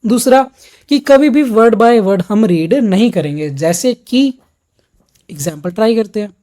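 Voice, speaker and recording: A man's voice: sits high, lively intonation, measured pace, dark tone. A man coaching students for an exam in an instructional video lesson, explaining each step directly to the viewer.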